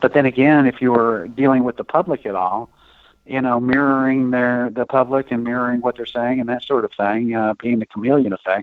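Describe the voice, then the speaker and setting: With a Southern US accent, a man talks in fairly even intonation. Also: medium pitch for a man, fairly quick pace. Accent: some southern accent picked up. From Indiana, US Midwest. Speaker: horror author and former radio host. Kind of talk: casual chat.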